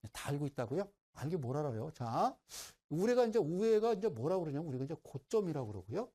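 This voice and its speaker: A man's voice: on the high side, sing-song, fast, dark tone. A middle-aged man giving a broadcast stock-investing lecture, who keeps asking listeners "right?" and teases them.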